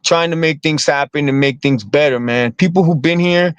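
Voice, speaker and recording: A man's voice: a little high, moderate pace, smooth, no echo. Guest comic, male, casual and rambling, stacks up repeated words, close dry sound. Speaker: comedian and actor guest. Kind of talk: casual interview talk.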